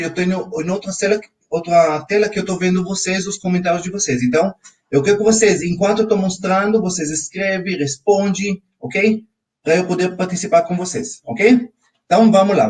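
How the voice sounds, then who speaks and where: A man's voice: sits high, far from the mic. A man from Israel with an Israeli accent, a Hebrew native speaker, leading a live online finance class and prompting his viewers again and again. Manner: energetic, audience-prompting with frequent ok?. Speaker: financial coach.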